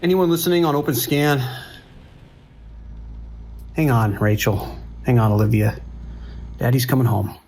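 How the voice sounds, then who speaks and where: A man's voice: medium pitch, lively intonation, measured pace, pauses often, a little mellow, slight background noise. An actor playing a protective trucker and worried father, speaking firmly and urgently in a radio drama. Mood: angry, desperate. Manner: firm, warning, gruffly urgent.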